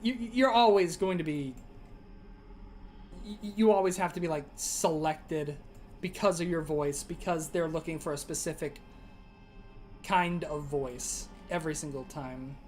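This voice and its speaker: A man's voice: on the high side, unhurried, a little mellow, faint music behind. A young man streaming a game, chatting casually and rambling through ideas with a dry throat. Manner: rambling, lots of fillers and restarts. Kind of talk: casual gaming stream chat.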